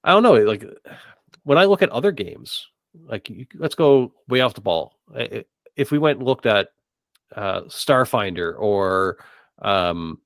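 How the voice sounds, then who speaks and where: A man's voice: lowish voice, big pitch swings, unhurried, fairly bright tone, no room sound, studio quality. A man hosting a podcast in casual interview chat, hedging and rephrasing his thoughts as he goes. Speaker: podcast host.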